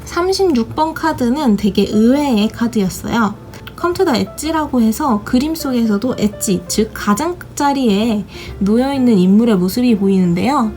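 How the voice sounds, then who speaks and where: A woman calmly explains the meanings of tarot cards for a study video. Her fairly high voice has gone hoarse from a sore throat.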